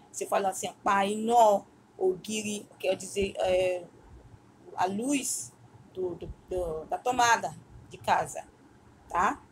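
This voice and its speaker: A woman teaching her language, speaking deliberately, repeating syllables and pausing often to search for words. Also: medium pitch, slight background noise, poor audio. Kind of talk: language lesson, slow careful explanation.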